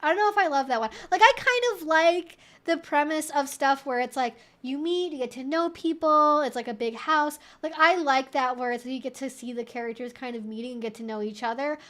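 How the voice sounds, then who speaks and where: High-pitched woman chatting on a livestream. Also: brisk, few pauses, a bit bright. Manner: chatty, rambling, informal asides. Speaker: livestream host answering viewer questions. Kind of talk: casual chat, Q&A livestream.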